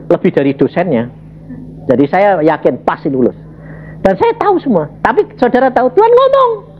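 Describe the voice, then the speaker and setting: Animated preacher, voice leaping up and down. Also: male voice. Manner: animated storytelling, big pitch swings, addresses congregation as "saudara". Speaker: evangelist preacher. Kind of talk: sermon with personal testimony. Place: church worship hall. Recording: slightly dull lo-fi audio, faint background hiss.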